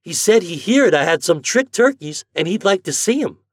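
A man's voice: sits high, animated, moderate pace, slightly rough, no echo, studio quality, voice pushed up. A man voicing an eager, jolly farm boy in a storybook, speaking in rustic old-time country dialect. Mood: eager, boastful. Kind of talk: storybook character voice.

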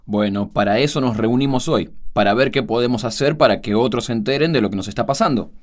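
Casting: male actor as earnest Argentine villager, mid-pitched, concerned and rallying, for a radio play. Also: fast, natural voice. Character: concerned rural neighbour man rallying others to act. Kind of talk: radio drama dialogue.

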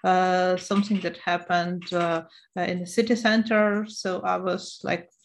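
A woman in her thirties from Ukraine with a Ukrainian accent, answering interview questions in a halting way, full of "uh" and "um" fillers. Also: on the low side, flat delivery, slight background noise. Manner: hesitant, many uh and um fillers. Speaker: interview guest.

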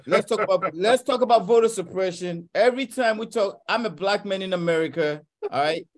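High-voiced man arguing on talk radio. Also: fairly quick. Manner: passionate, repetitive, laughs often. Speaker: radio co-host. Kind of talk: heated talk-radio debate.

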